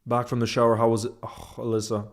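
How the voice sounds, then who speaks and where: Quick and monotone in a mid-range voice, a football fan streamer runs a casual livestream. He reads out what viewers comment and responds informally, frequently repeating phrases for emphasis.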